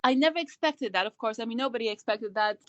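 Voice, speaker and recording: A woman's voice: fairly high pitch, quick pace, no room sound. A woman company founder answering interview questions in a rush, with many repeated words and restarts. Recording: dry, dull lo-fi call audio.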